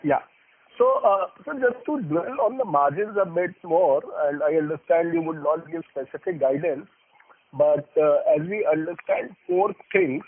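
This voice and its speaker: A man with an Indian accent puts questions as an investment analyst on an earnings call. His voice is husky and slightly high, and he is polite, hesitant and wordy. It comes over a garbled, narrow phone line. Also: very animated, normal speed.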